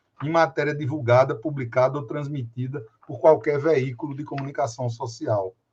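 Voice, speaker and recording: Somewhat breathy, a man's fairly high-pitched voice moves at a moderate pace. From Brazilian Northeast. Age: 60s. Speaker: judge and law lecturer. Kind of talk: lecture. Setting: online live stream.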